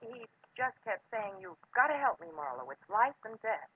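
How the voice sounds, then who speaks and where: An actress playing an earnest, insistent American hospital nurse in a 1940s radio drama. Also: female voice, medium pitch, sing-song, normal speed, slightly rough, phone-quality sound. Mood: worried, earnest. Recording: thin, band-limited vintage radio recording.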